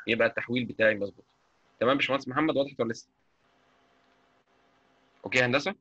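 Egyptian man with an Egyptian Arabic accent, live software lecturer, husky, dry close sound, keeps asking if you follow. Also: medium pitch, racing, dry recording. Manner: chatty, checks understanding constantly. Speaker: software instructor. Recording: dull lo-fi mic.

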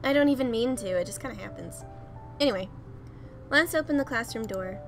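Speaking a little fast with vocal fry in a high-leaning voice, a young woman rambles through game menus in her let's play. She's chatty and giggly, laughing at herself over soft background music.

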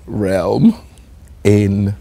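A man's voice: fairly low pitch, expressive, drawn-out words, creaky, mellow, no room sound. A middle-aged man hosting a casual chat interview. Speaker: interview host. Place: seated in a large indoor theatre auditorium.

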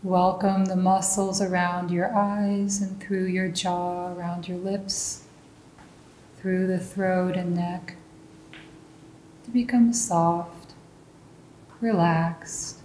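Woman meditation teacher, real slow and calm, mellow voice, bit of room echo. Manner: calm, gentle, instructional. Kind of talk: guided meditation. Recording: roomy echo, faint low rumbling noise.

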